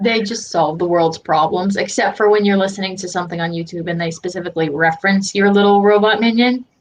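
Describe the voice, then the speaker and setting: The speech moves at a very fast pace. The accent is American. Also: woman. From US South, Florida. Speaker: children's author and video host. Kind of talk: casual livestream chat.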